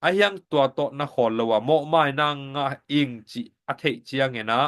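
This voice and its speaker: A man leads a Sabbath School lesson, explaining each point in a steady, unhurried teaching manner. His voice sits at a mid pitch for a man. He sounds like a regular teacher walking a class through the study. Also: clean tone.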